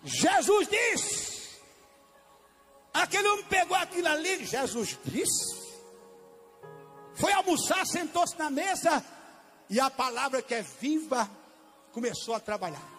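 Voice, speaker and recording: High-pitched preaching man, Brazilian accent. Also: normal speed. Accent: Brazilian Portuguese. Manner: repetitive, rising to shouts, sing-song preaching cadence. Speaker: pastor. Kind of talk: preaching testimony sermon. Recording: long hall reverb with faint music.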